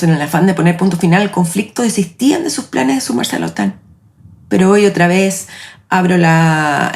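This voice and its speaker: A woman in her late forties with a Chilean accent, hosting her own podcast in a reflective, measured, personal narration. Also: fairly low pitch, darkish tone. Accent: Chilean Spanish. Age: 40s. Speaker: podcast host.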